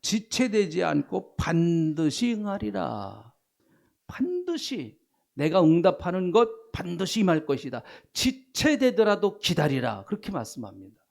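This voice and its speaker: A man, a senior pastor preaching a sermon in church, who speaks emphatically, repeats key phrases and drops to quiet asides. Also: sits high, vocal fry.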